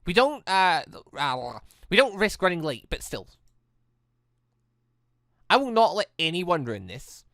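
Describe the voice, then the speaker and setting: Proud teenage heiress for a visual novel game, read by a let's player: high-strung, formal, insistent, dry sound. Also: very animated, unhurried, pauses often, a bit bright, dry recording.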